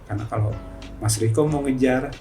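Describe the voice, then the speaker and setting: A man's voice: medium pitch, brisk, mellow. Easygoing guy, lots of ums and little laughs, distant mic, music in the background. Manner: casual, hesitant, many fillers, laughs often. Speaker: guest, financial office employee. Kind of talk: relaxed conversational interview.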